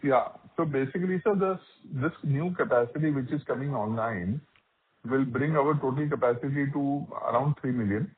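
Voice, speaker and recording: A man's voice: medium pitch, moderate pace, husky. A man with an Indian accent, speaking as a company executive and explaining business matters on a call. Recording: narrow phone line, radio-like.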